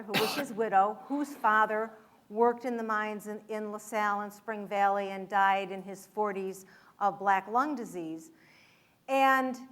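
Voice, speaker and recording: A woman's voice: medium pitch, a bit bright. A woman from Michigan, an author, telling a family story in a conversational public talk with a few restarts. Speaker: author speaking at an event.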